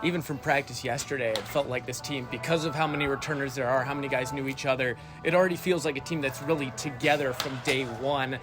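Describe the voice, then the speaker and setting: An American man conducts a sports interview in a mid-pitched voice. He poses conversational questions, with music clearly audible behind him. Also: fast, few pauses.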